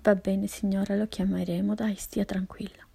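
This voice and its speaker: Woman reading as a brisk, soothing nurse. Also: medium pitch, little pitch movement, vocal fry, mellow, breathy edge. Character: calm, brisk hospital nurse.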